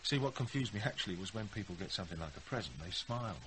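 A man's voice: on the low side, lively intonation, racing, a bit bright, a little hiss or hum, rough recording. An actor playing a blunt, cocky, wry British businessman in a naturalistic radio drama. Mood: wry, teasing. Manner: blunt, matter-of-fact, wry. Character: blunt, cocky businessman, tipsy partner of a mother.

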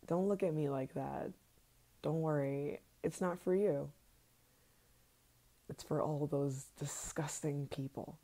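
A woman acts out an obsessive yandere scientist in an ASMR role-play. She speaks low and slowly, in a soft, mellow tone. Her manner is sweet but eerily possessive and sinister, with hesitant pauses. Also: exaggerated voice. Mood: smug, sinister.

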